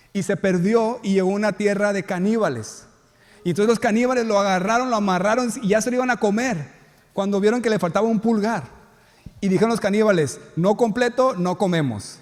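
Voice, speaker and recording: A man's voice: sits high, a little mellow, long reverb tail. A male pastor preaching a sermon, telling stories and acting out the characters' lines.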